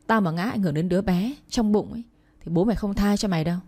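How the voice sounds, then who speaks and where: A woman's voice: medium pitch, a little mellow, natural voice. A woman voicing an arrogant pregnant stepmother who scolds a child and complains to her husband. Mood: scolding. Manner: scolding, rapid, contemptuous.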